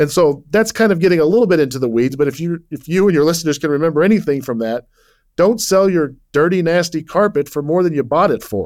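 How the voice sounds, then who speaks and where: Talking very fast with an American accent, a man uses ordinary pitch variation. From Utah (Salt Lake City). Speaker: cost segregation expert. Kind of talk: interview.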